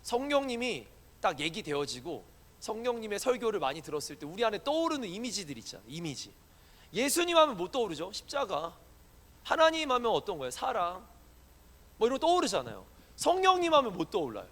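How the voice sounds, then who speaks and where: A male pastor preaches in a casual, playful way, asking his young congregation questions as he goes. His voice sits high and swings widely in pitch. A long church-hall reverb trails after his words. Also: very animated, fairly quick, a bit bright. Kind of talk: conversational sermon to young adults.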